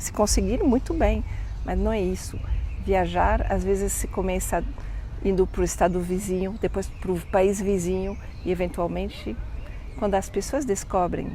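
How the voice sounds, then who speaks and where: A middle-aged woman from Canada, a French native speaker, talking in a casual interview and often pausing to restart her words. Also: mid-range voice, warm tone, a little hiss or hum. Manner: thoughtful, pauses and restarts words. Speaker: interview guest.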